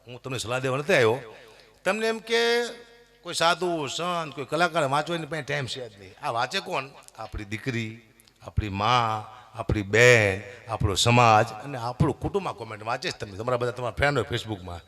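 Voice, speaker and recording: A middle-aged man, performing a stage comedy monologue full of laughter and loud outbursts. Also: mid-range voice, normal speed. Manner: lively storytelling with laughter, loud bursts for quoted voices. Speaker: folk comedian performing at a dayro.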